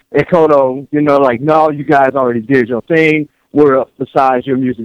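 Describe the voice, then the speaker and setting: A man with a fairly high pitch speaks at a moderate pace with hardly any pauses, in a dry, close sound with no echo. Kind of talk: casual phone chat: caller telling a story on a live radio show. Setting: phone call. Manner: animated, angry and indignant, laughing, profane.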